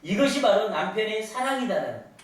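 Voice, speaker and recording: A man's voice: high voice, animated, quick pace. A male pastor preaching a sermon to his congregation, telling stories and asking them questions. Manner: storytelling with rhetorical questions to the congregation. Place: large church sanctuary. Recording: echoey church hall, voice from far off.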